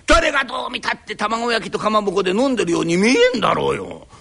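A man's voice: sits high, fast, gravelly, heavily acted. A man voicing a bossy, jovial landlord in a live rakugo storytelling, with an old Tokyo downtown accent, coaxing and scolding. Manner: coaxing, scolding, lively shifts of voice. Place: live performance hall.

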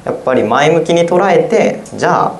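A man's voice: on the high side, animated, fairly quick. A teenage boy, a student guest, speaking off the cuff in a hesitant way with many fillers. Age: teens. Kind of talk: casual spoken reflection. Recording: roomy sound with faint noise.

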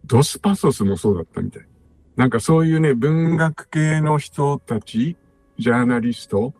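A man, a composer and music producer appearing as a radio guest, recounting anecdotes in a relaxed, rambling way with many fillers and asides. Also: mid-range voice.

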